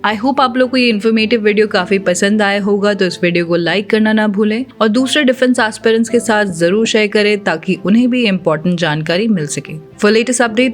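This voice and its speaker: A woman presenting a scripted informational video, speaking in a steady, informative way with many English terms mixed in. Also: mid-range voice. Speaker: channel presenter. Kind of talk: scripted explainer narration.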